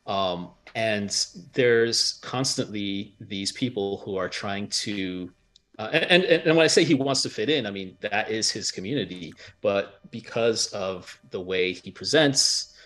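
A Jamaican American man, an author, talking haltingly with many fillers and laughs, and reading from his book. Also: fairly low pitch, fairly bright tone. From United States, of Jamaican family.

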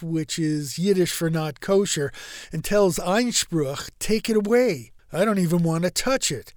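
A man reading a scripted radio news story in a measured, even reporting voice. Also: high-pitched, no room sound, studio quality.

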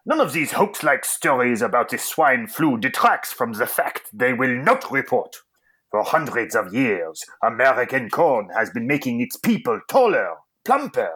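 A pompous, disgruntled radio host. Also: male voice, medium pitch, sing-song, unhurried, fairly bright tone. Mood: indignant. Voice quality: pompous, indignant. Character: grumpy pompous Belgian talk radio host. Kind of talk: radio comedy sketch.

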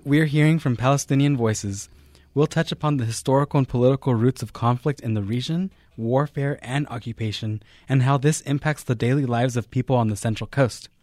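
A man hosting a radio talk program with a measured, formal delivery. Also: mid-range voice, a little mellow, no echo, studio quality. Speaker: radio host.

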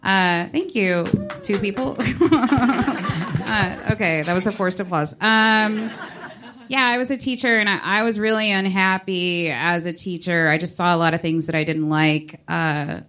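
A woman's voice: on the low side, a bit bright. A woman, a stand-up comedian talking casually on a panel, with wry, dry asides.

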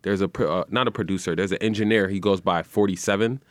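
A man's voice: fast, no echo. A young man, chatting easily as a guest in a radio studio. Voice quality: deep voice. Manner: relaxed, easygoing, says "man" and "you know" often. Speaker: guest musician and radio personality. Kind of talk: casual interview chat.

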